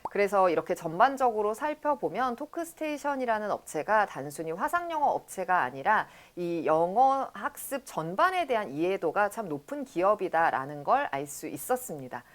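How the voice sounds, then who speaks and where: A woman host with smooth announcer delivery, introducing a service and then asking questions. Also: medium pitch, very animated, moderate pace, hardly any pauses. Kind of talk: interview, scripted product intro.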